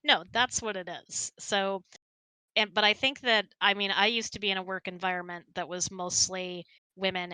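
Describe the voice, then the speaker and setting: Woman, middle-aged, bright tone, close dry sound, casual talkative chat. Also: medium pitch, no room sound, poor audio. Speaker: host of a couple's hangout. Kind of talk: casual chat, answering questions.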